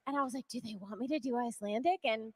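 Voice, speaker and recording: A woman with a high voice tells a lively, self-deprecating story on a live convention panel. She rolls from one beat to the next with easy animation. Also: quick pace, husky. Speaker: voice actor panelist.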